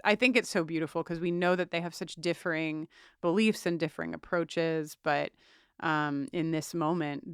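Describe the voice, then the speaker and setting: A woman co-hosting a podcast in a casual recap chat, animated, swearing freely, acting out characters' lines. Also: low-pitched, clean tone, dry recording, clean studio sound. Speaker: podcast co-host.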